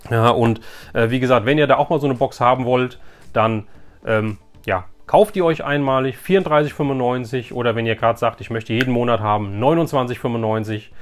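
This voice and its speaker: A man with a mid-pitched voice chats casually as a video host, with faint music underneath. He rambles and thinks aloud, speaking straight to his viewers in an unscripted, colloquial way. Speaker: YouTube host reviewing an unboxed loot box.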